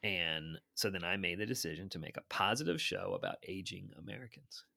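A middle-aged man telling stories in a casual interview, animated and laughing often. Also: low-pitched, a little fast, creaky. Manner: animated, laughs often, acts out quoted voices. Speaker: TV producer and guest.

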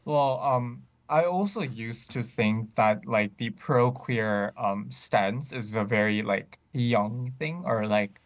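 A man in casual discussion, speaking thoughtfully with frequent pauses and restarts. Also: mid-range voice. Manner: many fillers and restarts, thoughtful.

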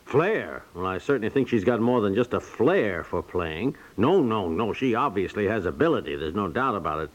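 Practical softie radio husband from the 50s, stammers and repeats, very animated, muffled old sound. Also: male voice, lowish voice, normal speed, hardly any pauses. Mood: earnest. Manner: stammering, folksy, repeats himself. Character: practical, hesitant, soft-hearted husband and proud father. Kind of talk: 1950s radio domestic comedy acting. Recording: muffled 1950s radio recording.

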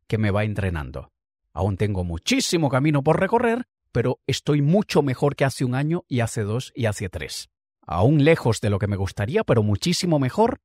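A man's voice: mid-range voice, darkish tone, dry recording, studio quality. A man giving a conversational, reflective motivational talk and drawing on personal examples. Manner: occasional light laughs. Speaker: motivational speaker. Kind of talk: motivational monologue.

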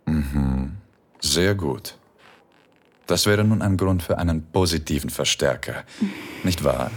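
A commanding philosophy professor speaks in a very deep, husky voice. He is calm and seductive in this erotic audio drama, and gives his orders slowly and with measured control. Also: heavily acted. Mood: stern. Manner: slow, measured, quietly commanding. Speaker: philosophy professor tutoring Spanish.

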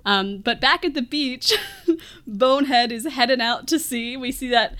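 A woman's voice: high-pitched, unhurried, sharp tone. A woman hosting a film podcast, chatting casually through a movie scene by scene and often laughing as she talks. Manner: giggly, laughs often while talking.

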